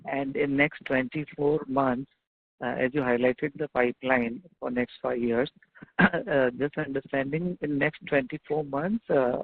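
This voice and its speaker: A man with an Indian accent, an analyst calling in to ask questions on an earnings call, speaking haltingly. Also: mid-range voice, vocal fry. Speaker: analyst caller. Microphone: phone call. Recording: narrow phone-line sound.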